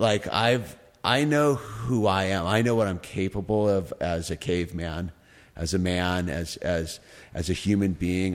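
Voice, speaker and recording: Fairly slow and very deep in pitch, a man with an American accent speaks with ordinary pitch variation in a very clean recording with a silent background. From Northern California, Santa Cruz Mountains. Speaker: YouTuber and skater. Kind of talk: casual podcast conversation.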